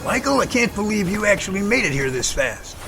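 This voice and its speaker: A man in an amateur audio drama playing a decisive rescue team leader with a brisk, reassuring manner. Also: sits high, big pitch swings, vocal fry, over music, exaggerated voice.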